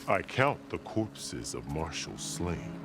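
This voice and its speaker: An actor playing a stern, proud tribal chief in a video game, speaking formally and deliberately with weighty declarations. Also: male voice, a bass voice, big pitch swings, heavily acted. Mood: grim, resolute. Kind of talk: dramatic video game cutscene acting. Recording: dramatic music behind the voice.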